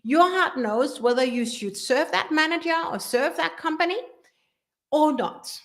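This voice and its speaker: Slow-speaking woman. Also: high voice, animated, a bit bright. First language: Danish. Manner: earnest, repeats and restarts phrases. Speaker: business coach. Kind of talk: live workshop talk.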